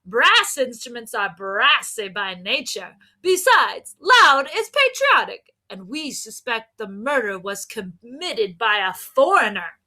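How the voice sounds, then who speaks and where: A woman voicing boisterous, arrogant storybook trumpets, proclaiming in a loud, brassy manner. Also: a little high, very animated, slow, few pauses, exaggerated voice. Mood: brash. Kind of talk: storybook character voice.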